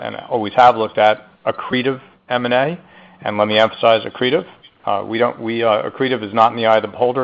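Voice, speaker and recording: A man executive answering analyst questions on an earnings call, measured and emphatic on key points. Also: fairly low pitch, gravelly. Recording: muffled conference call audio.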